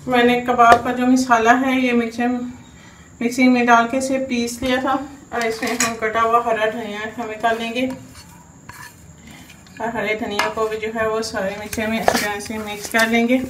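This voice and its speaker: A woman's voice: on the high side, normal speed. A woman host with a Pakistani Urdu accent talks through a home cooking recipe step by step, often filling her sentences with "jo hai woh". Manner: steady step-by-step instructions with filler "jo hai woh". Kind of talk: recipe tutorial voice-over. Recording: roomy, distant mic, kitchen noise.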